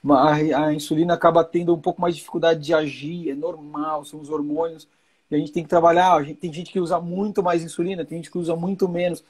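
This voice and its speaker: A man's voice: a little high, level tone, fast talker, a little mellow, breathy edge. A man in his forties hosting a live chat, explaining with reassurance and repeating key points. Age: 40s. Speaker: host.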